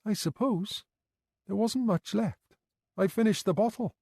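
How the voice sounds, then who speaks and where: Man putting on a high worried young woman, tearful care worker, pleading, mellow tone, dry close sound. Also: unhurried, husky, no echo. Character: anxious young female night care worker.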